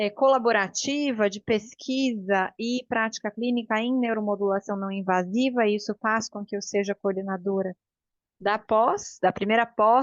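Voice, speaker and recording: Speaking at a fairly slow pace, a woman is heard. Her intonation is fairly even. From São Paulo, Brazil. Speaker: physiotherapist. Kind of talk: lecture. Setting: symposium talk. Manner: halting, many fillers.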